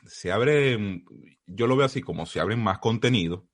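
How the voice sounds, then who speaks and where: A man's voice: on the low side, animated, moderate pace. A man from Zulia, Venezuela, with a Zulian Venezuelan accent, a podcast guest telling his story earnestly in a casual interview over a video call. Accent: Zulian Venezuelan Spanish. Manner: earnest, storytelling, uses vos forms.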